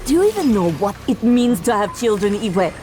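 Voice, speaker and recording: A woman's voice: medium pitch, big pitch swings, normal speed, dark tone, faint music behind, close to an everyday voice. A woman playing a furious armed accuser. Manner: accusing, threatening. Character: furious defiant woman with a gun.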